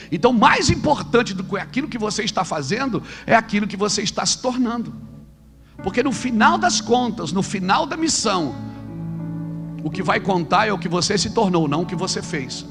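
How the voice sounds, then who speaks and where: Man, pastor, very high voice, lively swooping pitch, sermon, faint music behind. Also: gravelly. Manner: animated preaching, acting out dialogues, rising to shouts.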